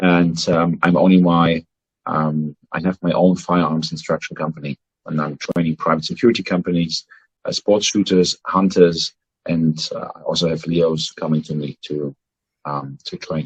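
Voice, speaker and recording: Recorded dry and close with no echo, a man speaks in a very deep, low pitch with monotone, flat intonation. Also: moderate pace. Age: 40s. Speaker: firearms instructor. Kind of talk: interview. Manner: halting, many fillers.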